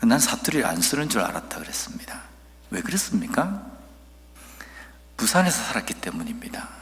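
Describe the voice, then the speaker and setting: A man from Busan, South Korea, with a Busan accent, preaching a sermon as a pastor, telling stories earnestly and reading scripture slowly and emphatically. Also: mid-range voice, sing-song, fairly bright tone, big-room sound. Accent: Busan dialect.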